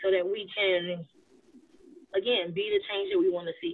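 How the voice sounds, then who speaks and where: This woman has an American accent and a medium pitch. She speaks at a moderate pace with ordinary pitch variation. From Detroit, Michigan. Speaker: PR company co-founder and activist. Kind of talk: casual interview. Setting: in a parked car.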